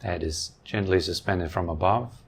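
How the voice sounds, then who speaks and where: A man leading a guided meditation as a teacher, giving calm, gentle instructions in short phrases with long pauses. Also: low-pitched, vocal fry, slightly rough. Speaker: meditation teacher and podcast host.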